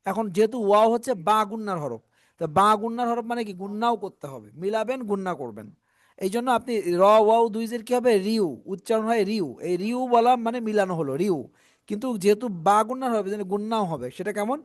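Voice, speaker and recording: A man teaching Quran reading. He spells out letters and vowel marks slowly, then stretches the words into drawn-out chanting for his class to repeat. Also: high-pitched, no room sound, studio quality. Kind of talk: spelling out and drilling recitation.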